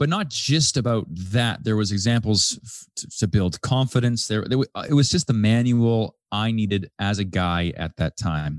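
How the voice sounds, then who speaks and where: An unremarkable speaking voice with a Canadian accent moves at a moderate pace with lively intonation, recorded dry and close with no echo against a quiet background. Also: man, medium pitch for a man. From Canada, small town. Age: 30s. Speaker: travel vlogger and public speaker. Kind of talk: interview conversation. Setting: video call.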